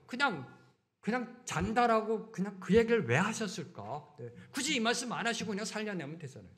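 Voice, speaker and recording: Fervent male preacher, higher voice. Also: creaky. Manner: preaching with rhetorical questions and repeated phrases; lively, shifting between loud emphasis and quiet asides. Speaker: pastor. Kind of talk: sermon. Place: church sanctuary.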